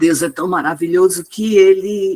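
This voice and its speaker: In a dry, close sound with no echo, a woman speaks with fairly even intonation. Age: 60s. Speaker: spiritist sharing personal grief experience. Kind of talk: testimony.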